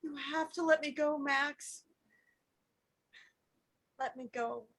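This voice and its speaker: Woman acting slow, high-voiced, tender dying mother. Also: steady tone, full character voice. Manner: slow, deliberate, gently insistent. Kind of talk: table read acting of a horror film script.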